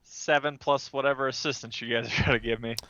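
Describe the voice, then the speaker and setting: A man's voice: mid-range voice, fairly even intonation, fast, pushed and bright, dry recording, lo-fi sound. A man playing a tabletop roleplaying game, talking both in character and about dice rolls.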